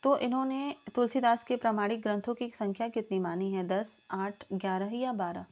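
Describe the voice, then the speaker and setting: A woman teaching Hindi literature in an exam practice lesson, reading out questions and options and then explaining the answers in a measured way. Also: mid-range voice, fairly even intonation, muffled recording. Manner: signs off warmly asking viewers to comment.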